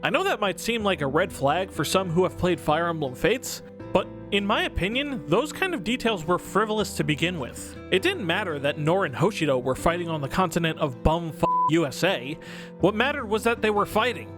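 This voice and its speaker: Animated high-pitched man reviewing games. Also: brisk. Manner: casual, sweary, exaggerated emphasis. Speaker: video host and game reviewer. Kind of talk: scripted comedic review narration. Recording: music under the voice. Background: background music.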